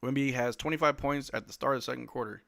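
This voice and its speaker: A man hosting a live watch-along stream, giving play-by-play commentary and joking reactions as an excitable fan talking to his chat. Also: medium pitch, quick pace, creaky. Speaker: livestream host.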